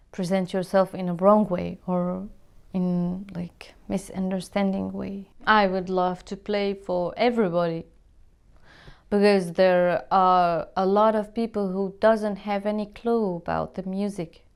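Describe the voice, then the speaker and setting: A woman's voice: medium pitch, fairly even intonation, a little slow, vocal fry, a little mellow, clean tone. A woman from Syria, a musician, speaking English in an earnest interview and searching for words as she talks. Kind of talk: interview answers to camera.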